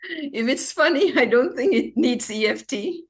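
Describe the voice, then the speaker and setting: A middle-aged woman gives an impromptu speech over a video call. She talks in a measured, thoughtful way, with a light touch of amusement. She sounds like a doctor used to explaining things to patients. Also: sits high, expressive, slightly rough. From Malaysia. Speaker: doctor and therapist. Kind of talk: impromptu speech at an online club meeting.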